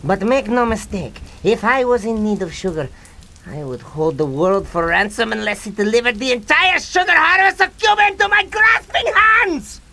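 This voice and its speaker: A woman's voice: fairly high pitch, animated, normal speed, creaky, pushed and bright, a little hiss or hum, full character voice. An actress playing a grandiose, haughty female mad scientist in a comic radio drama, theatrical, sneering and menacing.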